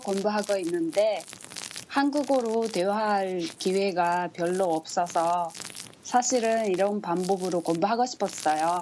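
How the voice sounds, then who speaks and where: Noticeable background noise sits behind a woman with a Japanese accent. She speaks very slowly at a medium pitch with ordinary pitch variation. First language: Japanese (speaking Korean). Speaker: Korean language learner. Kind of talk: casual chat.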